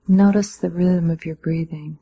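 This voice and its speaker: Husky, creaky woman guiding meditation. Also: lowish voice. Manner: calm, measured, gently instructing with pauses. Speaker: Zen meditation teacher. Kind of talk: guided meditation instruction.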